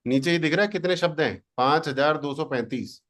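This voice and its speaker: A man's voice: a little high, brisk, fairly bright tone. Boastful man coaching an online class. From India. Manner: boastful, teasing, mixes English into Hindi. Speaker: digital marketing coach. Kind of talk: live online class demo.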